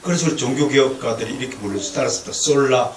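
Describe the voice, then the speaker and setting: A man's voice: mid-range voice, fast. Preaching man in an echoey church. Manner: lively preaching with humor and call-and-response. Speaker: pastor. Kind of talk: sermon lecture to a congregation. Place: church sanctuary. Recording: echoey hall, distant mic, faint noise.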